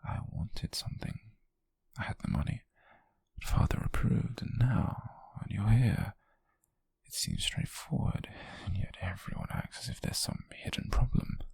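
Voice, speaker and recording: A British man playing a possessive, softly menacing rich captor in an intimate ASMR roleplay, murmuring in a breathy, husky voice with slow, coaxing deliberation. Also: lowish voice, huge pitch swings, no echo, exaggerated voice. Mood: intrigued, probing. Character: possessive, softly menacing wealthy male captor, obsessive and doting. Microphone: close microphone, dry.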